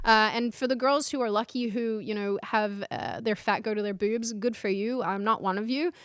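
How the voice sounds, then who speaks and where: A woman's voice: mid-range voice, steady tone, normal speed, a bit bright, smooth, no echo, studio quality. A young woman co-hosting a casual talk show, candid and chatty. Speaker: co-host. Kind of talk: casual chat.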